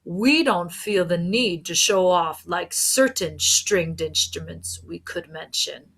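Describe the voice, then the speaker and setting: Woman voicing weary, slow-talking cellos and basses. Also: fairly bright tone, slightly rough, heavily acted. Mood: dignified.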